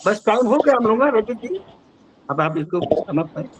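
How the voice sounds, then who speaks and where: A man's voice: high-pitched, very animated, brisk, husky, poor audio. A man, a poet, reciting his ghazals over a video call and repeating each couplet twice.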